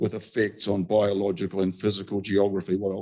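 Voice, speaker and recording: In a New Zealand accent, a man with a fairly low pitch and a dark, mellow tone speaks at a moderate pace in a monotone, flat intonation. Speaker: submitter at a consent hearing. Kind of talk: formal submission at a hearing.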